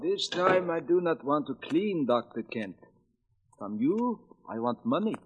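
An actor playing a shifty foreign handyman turned blackmailer, speaking halting broken English, in 1940s radio acting on an old radio show recording. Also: on the high side, expressive, breathy edge. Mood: menacing. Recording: dull old broadcast with long reverb.

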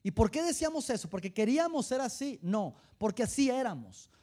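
A man's voice: very high-pitched, a little fast. A man with a Mexican accent, a pastor preaching a sermon who tells humorous stories and speaks straight to the congregation. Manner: animated, humorous storytelling, direct address to the congregation.

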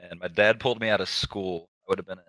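A man in his twenties, a pro gamer guest, telling stories in a relaxed, low-key way with lots of fillers. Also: fast, no room sound, rough recording. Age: 20s. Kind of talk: casual interview storytelling.

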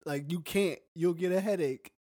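A man's voice: high-pitched, normal speed, warm tone, no echo, studio quality. A man co-hosting a podcast, chatting casually and joking with playful exaggeration. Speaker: podcast co-host.

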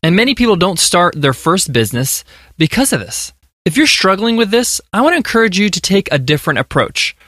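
A man's voice: high-pitched, very animated, brisk, pushed and bright, dry recording, studio quality. An American man hosting a podcast, giving an earnest, emphatic monologue of business advice. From United States. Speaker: podcast host.

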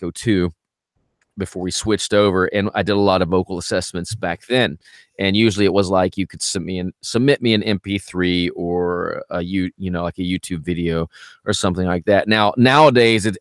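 A man's voice: no echo, clean studio sound. A man working as a vocal coach, chatting casually and acting out his students' complaints. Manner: animated, acts out students' complaints in a higher voice. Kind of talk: casual podcast chat.

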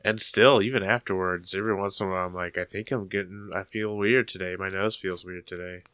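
A man's voice: low voice, fairly even intonation, a little fast, pushed and bright, clear, resonant tone, no echo. A man co-hosting a podcast, chatting casually about games in a rambling, jokey way. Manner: rambling, jokey, self-deprecating. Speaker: podcast co-host.

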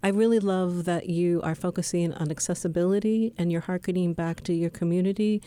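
A woman's voice: fairly low pitch, steady tone, a little fast, warm tone, clear, resonant tone. A woman hosting a casual literary interview, encouraging and affirming toward her guest. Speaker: interview host, poet.

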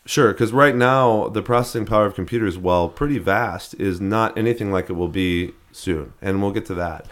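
Low-voiced man rambling in casual chat. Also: moderate pace, few pauses, a bit bright. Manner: rambling, many restarts and fillers, laughs at odd names. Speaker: podcast co-host.

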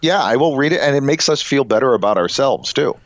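A man's voice: medium pitch, animated, fast, dry recording, lo-fi sound. A man with a Chicago accent and a nasal voice, co-hosting a podcast in casual, joking chat. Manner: joking, laughs often. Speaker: podcast co-host.

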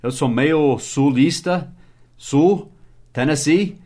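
A man's voice: a little high, slow pace, warm tone. A man hosting a casual English lesson podcast, explaining patiently and spelling words out letter by letter. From United States and Brazil. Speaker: English teacher and podcast host.

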